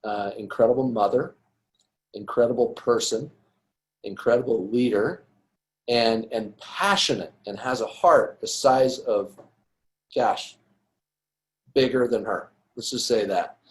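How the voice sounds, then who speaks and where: A man's voice: mid-range voice, a little slow, pauses often, rough recording. A man hosting a company call, upbeat and effusive in his praise, repeating his points. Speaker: host, company presenter.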